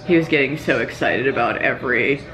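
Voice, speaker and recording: A woman's voice: very deep voice, a little fast, over music, low-quality recording. A young woman chatting casually to her vlog audience in an informal, giggly storytelling way. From Georgia, United States. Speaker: vlogger.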